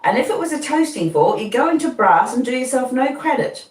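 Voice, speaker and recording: A woman doing a slow, earnest blacksmith. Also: high voice, big pitch swings, pitched above the performer's own voice. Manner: plodding rustic speech, earnest and repetitive. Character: kindly slow-spoken blacksmith man, middle-aged. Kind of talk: audiobook reading. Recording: roomy, distant mic.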